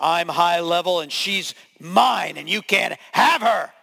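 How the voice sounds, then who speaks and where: In a put-on character voice pitched high, a man talks at a fairly slow pace. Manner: menacing, possessive.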